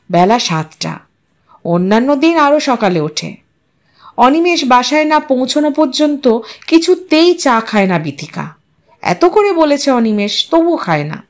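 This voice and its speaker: A woman with a fairly high-pitched voice narrates an audio story. She reads scripted literary prose as a storyteller.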